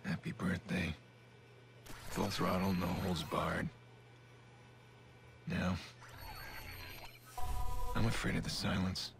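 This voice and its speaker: A man's voice: little pitch movement, takes it slowly, long pauses, noisy background, full character voice. An American actor playing a brooding, guilt-ridden man in his thirties in a video game, subdued and terse. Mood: somber, brooding. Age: 30s. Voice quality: low, gravelly. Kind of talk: video game cutscene acting.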